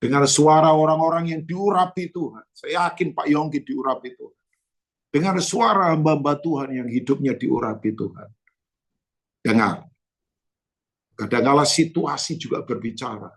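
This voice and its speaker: Gravelly-voiced man preaching a sermon. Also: on the high side, normal speed. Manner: animated preaching with storytelling, addresses congregation directly. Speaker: pastor. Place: church.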